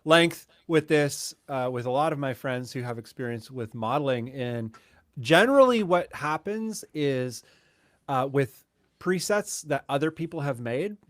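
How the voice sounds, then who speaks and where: A man's voice: medium pitch, expressive, a little slow, dry recording, clean studio sound. A man in his late forties, a guitarist chatting casually on a live stream, joking and self-mocking. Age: 40s. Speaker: guest guitarist. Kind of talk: casual chat.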